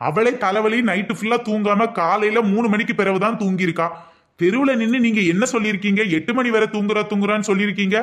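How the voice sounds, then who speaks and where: A man's voice: high-pitched, fast, a bit bright. A man playing a clever husband and son in a cartoon, coaxing his mother and firm with his wife. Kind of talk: cartoon voice acting.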